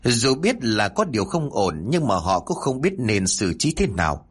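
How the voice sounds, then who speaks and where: Husky Southern Vietnamese horror storyteller. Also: male voice, fairly low pitch, normal speed. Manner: expressive storytelling.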